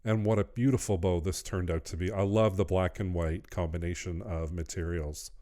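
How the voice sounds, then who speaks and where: A man's voice: low voice, steady tone, moderate pace, warm tone. Man narrating a craft tutorial. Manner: upbeat, step-by-step instructional. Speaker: wreath-making channel host.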